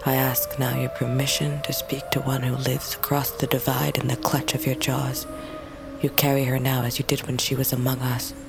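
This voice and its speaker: A woman's voice: a bass voice, level tone, moderate pace, creaky. An actress playing a stubborn, hot-tempered young woman who works as a tribal butcher, speaking earnestly and solemnly in prayer. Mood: prayerful. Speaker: Azera, queen's daughter. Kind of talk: audio drama acting. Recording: noisy ambience bed.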